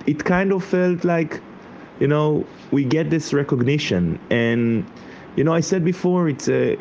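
A football fan. He hesitates and circles back as he goes, at a middling male pitch. The recording is dull, with clearly audible ambient noise around him. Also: a little mellow. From Israel, Haifa. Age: 40s. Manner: conversational, hesitant, filler-heavy. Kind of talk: casual personal talk in English. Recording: muffled, lo-fi, clearly noisy ambient sound.

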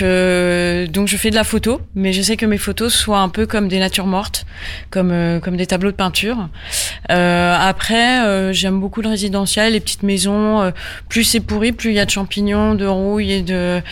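A woman from Normandy, a photographer guest in a radio interview, who talks in a halting way with many fillers and restarts. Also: medium pitch, steady tone. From Normandy, France.

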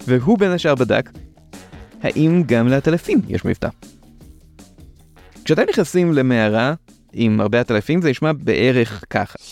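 A man's voice: mid-range voice, animated, long pauses, a little mellow, faint music behind. A man with an Israeli accent explaining things in a conversational way as a show's host, with playful questions and asides. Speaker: host of a science explainer show.

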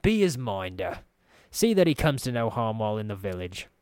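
A man's voice: lowish voice, big pitch swings, normal speed, a little mellow, clean tone, dry recording, studio quality. A man voicing a sly, theatrical underworld boss who speaks with mock courtesy and menace. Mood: quietly menacing.

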